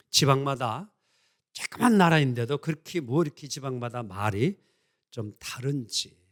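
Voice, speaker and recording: A man preaching a Sunday sermon as pastor, delivering it in a lively way and playfully imitating regional dialects. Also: mid-range voice. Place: church sanctuary.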